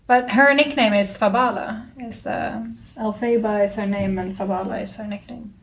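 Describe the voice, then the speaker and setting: A woman's voice: medium pitch, steady tone, normal speed, a bit bright. A woman in her thirties whose first language is Swedish, co-hosting a podcast and telling long, rambling stories in casual chat. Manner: chatty, rambling storyteller. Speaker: podcast co-host.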